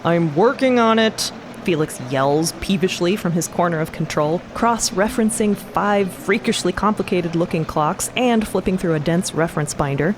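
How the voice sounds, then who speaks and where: A woman's voice: fairly low pitch, moderate pace, few pauses, noisy background. A woman narrating an audio fiction story in a scripted storytelling style. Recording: music bed behind voice.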